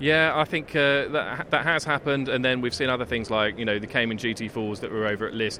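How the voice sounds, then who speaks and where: A man talks at a medium pitch with ordinary pitch variation and hardly any pauses. Noticeable background noise runs behind him. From Essex, England. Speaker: finance company marketing head. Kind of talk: interview. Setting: exhibition stand at car show.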